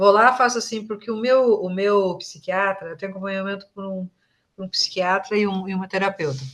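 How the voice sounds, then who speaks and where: In an unremarkable speaking voice, a woman speaks at a fairly quick pace and medium pitch with fairly even intonation and big swings in loudness. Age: 60s. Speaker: client giving testimonial. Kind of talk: testimony.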